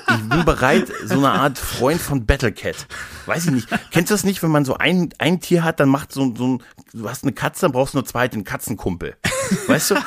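A man's voice: mid-range voice, breathy edge, no echo, studio quality. A man hosting a podcast in casual, playful chat, rambling along with frequent little tag questions. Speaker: podcast host.

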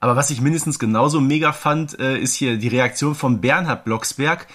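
A podcast co-host chats casually while analysing a radio play, gushing with fannish enthusiasm. His voice is medium-pitched and a bit bright, delivered a little fast.

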